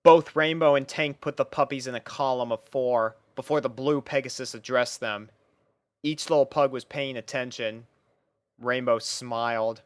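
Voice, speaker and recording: A narrator reading a story aloud in an expressive, scripted storybook style. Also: mid-range voice, normal speed, no echo. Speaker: fan fiction narrator.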